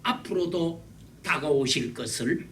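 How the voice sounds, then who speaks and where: A man preaching a sermon, emphatic and repetitive, his loudness swinging widely. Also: fairly high pitch, unhurried. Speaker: pastor. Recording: distant mic with faint background hiss.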